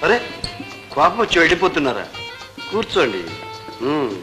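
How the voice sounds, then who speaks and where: An actor playing a rich, indulgent young master in a theatrical film drama, with a lordly, drawling delivery. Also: male voice, on the high side, big pitch swings, moderate pace, music in the background. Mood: lordly, teasing. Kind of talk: Telugu film drama acting.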